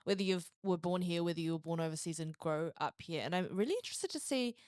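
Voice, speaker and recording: A young woman with a New Zealand accent hosts a relaxed podcast conversation, drawing guests out and sharing her own view. Her voice runs fairly low and sounds close and dry. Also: fast, clear, resonant tone, no room sound.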